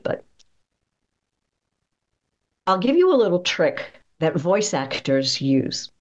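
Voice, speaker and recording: A woman with a fairly low voice that moves in lively swings as she coaches. She speaks conversationally and emphatically, with an encouraging manner. The recording is slightly dull. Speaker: guest voice coach. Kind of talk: conversational coaching advice in an interview.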